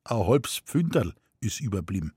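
A man reading aloud plays a gruff, laconic Munich husband in broad Bavarian dialect. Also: lowish voice, sing-song, normal speed, a little mellow, no echo, studio quality, full character voice.

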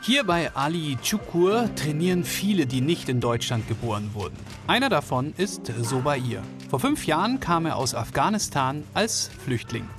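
A man reading a scripted documentary voice-over, clear and measured. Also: a little high, big pitch swings, over music. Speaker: narrator. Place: studio voice-over.

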